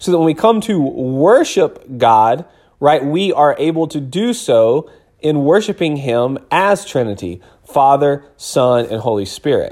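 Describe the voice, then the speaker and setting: In a very clean recording with a silent background, a man speaks at a fairly slow pace with a fairly high pitch and very wide pitch swings. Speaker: pastor. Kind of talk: sermon-like Bible teaching, answering a listener question. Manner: measured, teaching tone with some filler words.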